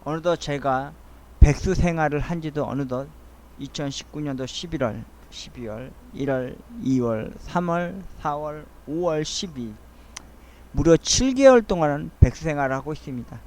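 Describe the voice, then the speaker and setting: A middle-aged man rambling through a soliloquy-style audio essay, speaking in a halting, earnest and wistful way. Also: fairly high pitch, expressive, darkish tone. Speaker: host of a monologue essay channel.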